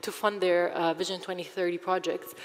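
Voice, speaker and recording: A woman talks at a fairly quick pace with a medium pitch. Noticeable background noise sits behind her. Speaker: financial panelist. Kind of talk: panel discussion. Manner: fast.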